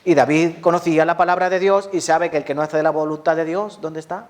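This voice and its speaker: A man with a Spanish accent from Spain preaches a sermon in a voice a little higher than most men's. He speaks with passion, putting questions to his listeners and answering them himself. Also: fairly even intonation, brisk. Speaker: pastor.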